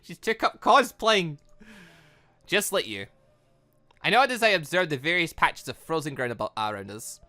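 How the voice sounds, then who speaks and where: A man hosting a gaming video, thinking aloud and reading game dialogue in an excitable, animated way. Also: on the high side, normal speed, long pauses, faint music behind. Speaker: gaming channel host.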